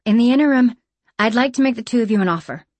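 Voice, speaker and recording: A careful, deadpan tinkerer who weighs every word, voiced by a woman narrator. Her speech is measured and slightly formal. It is recorded close and dry. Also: a little high, no echo, pitched above the performer's own voice.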